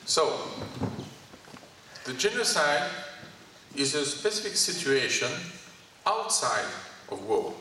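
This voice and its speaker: A man with a Greek French accent giving a lecture to an audience in a college hall, speaking in short halting phrases and asking the audience questions. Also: on the high side, very animated, bright, forceful tone. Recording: echoey hall from far off, faint noise.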